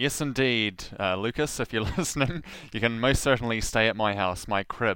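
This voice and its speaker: A man with a New Zealand accent talks at a fairly quick pace in a bright, sharp tone and a fairly low pitch. The recording is very clean, with a silent background. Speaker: podcast host. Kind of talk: casual podcast monologue. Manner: chatty, animated.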